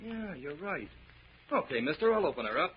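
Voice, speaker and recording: A doubting railroad brakeman, folksy, with a high voice that rises and falls a lot. It is old radio acting buried in heavy noise. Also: big pitch swings, moderate pace. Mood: doubtful. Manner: folksy, doubting, plain-spoken. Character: gruffly skeptical working-man railroad brakeman. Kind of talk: 1940s radio drama acting. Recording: very noisy, muffled old radio recording.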